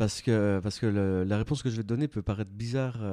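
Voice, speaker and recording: The background is quiet. A man speaks at a medium pitch in a dark, mellow tone, with ordinary pitch variation. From Burgundy, France (Dijon). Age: 30s. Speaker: citizen collective organizer. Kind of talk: interview. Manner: halting.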